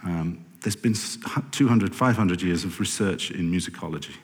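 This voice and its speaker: A man's voice: low-pitched, moderate pace. A man giving a conference talk to an audience, rambling and correcting himself, with wry asides. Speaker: podcast producer giving a talk. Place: lecture hall with audience. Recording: reverberant hall.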